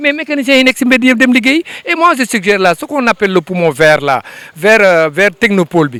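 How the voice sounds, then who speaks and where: A man's extremely high-pitched voice with very wide pitch swings, at a fairly quick pace, dry and close with no echo. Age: 60s. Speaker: mechanic, garage chief. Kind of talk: interview.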